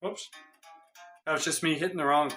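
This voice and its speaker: With a camera a few feet away, a hoarse middle-aged guitar tech puzzles over something in his home workshop, exasperated, for a casual vlog. He keeps a moderate pace and steady tone, his fairly high voice pushed and bright.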